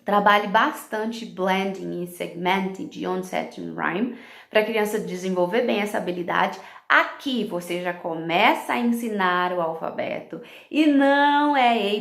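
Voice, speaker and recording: Gravelly woman teaching in an echoey room. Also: medium pitch. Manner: explanatory, checks in with "ok?" and "tá?", slips into English words. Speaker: English teacher.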